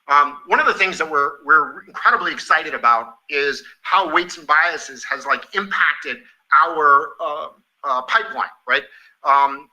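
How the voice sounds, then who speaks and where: On an earnings call, a male company executive speaks in a very bright, sharp voice pitched a little high. He's emphatic and enthusiastic, sometimes halting and repeating himself as he builds his answer. The audio is poor.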